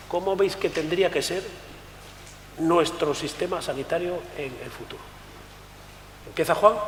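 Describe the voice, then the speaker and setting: Fairly slow delivery with long, frequent pauses, big swings in loudness, fairly even intonation, and noticeable background noise. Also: man, high pitch for a man. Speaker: panel moderator. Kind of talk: panel discussion moderation. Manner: halting, frequent repetitions.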